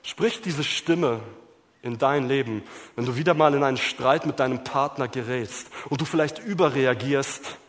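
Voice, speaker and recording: A man preaching a sermon, swinging between loud emphasis and hushed, low passages. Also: moderate pace, big-room sound. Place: church hall.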